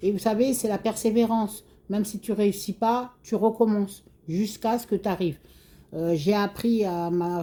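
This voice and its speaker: Speaking at a fairly slow pace, a woman uses a medium pitch with ordinary pitch variation and a dark, mellow tone. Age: 60s. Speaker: cross-stitch and crochet vlogger, lab technician. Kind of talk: casual vlog, tag video self-introduction. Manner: hesitant, many fillers; talkative.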